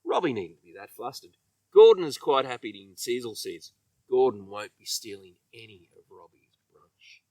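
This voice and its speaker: A man reading a children's story with expressive, emphatic delivery, letting his phrase endings trail off. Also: lowish voice, no room sound, distant mic. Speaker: children's author reading own book.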